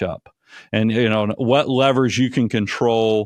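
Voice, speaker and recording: A man with a Southern US accent. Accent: Southern twang. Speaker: financial advisor and podcast host. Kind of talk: interview. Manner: animated.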